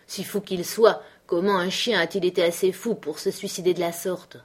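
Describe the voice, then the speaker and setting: A woman's voice: fairly low pitch, steady tone, normal speed, slightly rough. A woman reading the part of a worried adult male trapper in a storybook, with insistent, anxious questions.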